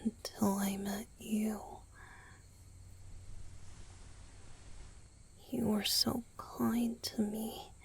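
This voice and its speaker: Woman as a slow, whispering, wistful vampire boyfriend. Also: medium pitch, flat delivery, slight background noise, rough recording. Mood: tender, confessional. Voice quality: breathy, whispery. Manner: hesitant, tender, confessional, with halting pauses. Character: gentle, wistful, guilt-ridden young male vampire boyfriend. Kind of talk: ASMR roleplay, intimate whispered monologue.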